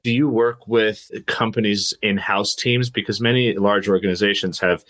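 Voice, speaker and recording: A man hosting an interview podcast, asking probing questions at a quick pace with a few stammered starts. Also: fairly low pitch, fairly even intonation, fairly bright tone, no room sound. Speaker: podcast host.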